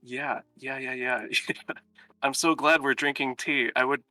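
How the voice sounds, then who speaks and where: A man's voice: medium pitch, steady tone, measured pace, bright, forceful tone, dry recording. A young adult man from the United States with an American accent, a guest in a casual chat, easygoing and joking. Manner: easygoing, laid-back and joking. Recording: faint background music.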